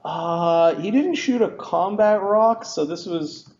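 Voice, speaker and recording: A man's voice: sits high, slow pace, a little mellow, slight background noise. A man casually narrating a tabletop game as game master. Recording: dull lo-fi audio.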